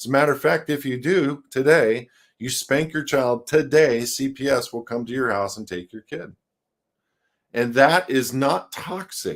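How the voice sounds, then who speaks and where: The recording is very clean, with a silent background. A man speaks in an animated tone with ordinary pitch variation. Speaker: podcast host. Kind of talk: casual chat. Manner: loud.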